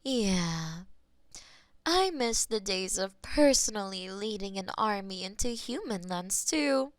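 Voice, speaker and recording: A woman voicing a possessive, teasing female demon mistress who is smug and powerful, dropping at times to soft whispers. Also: mid-range voice, expressive, no room sound. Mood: gossipy. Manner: teasing, slow and purring, drops to soft whispers. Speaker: voice actor in an audio roleplay. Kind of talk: audio roleplay acting.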